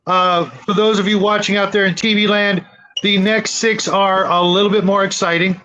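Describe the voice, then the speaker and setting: Bright, high-pitched man hosting casual chat. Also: steady tone, moderate pace, dull audio, slight background noise. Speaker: host of online roleplaying panel.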